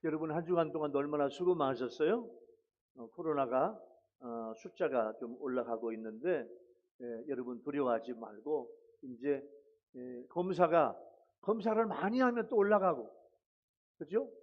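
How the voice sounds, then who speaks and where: Male pastor, high voice, exhorting sermon delivery with repeated phrases, dull recording. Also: moderate pace. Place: church sanctuary.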